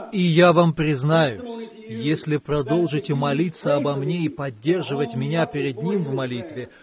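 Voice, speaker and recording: A man preaching a sermon, hoarse from a cold, earnest and pleading as he addresses his congregation and calls on people by name. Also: fairly high pitch.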